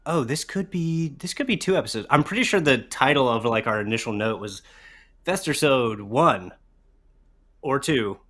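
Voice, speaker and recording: Guy with a medium pitched voice, just chatting on a podcast, easygoing and informal. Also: lively intonation, moderate pace, fairly bright tone. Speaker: podcast co-host. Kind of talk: casual chat.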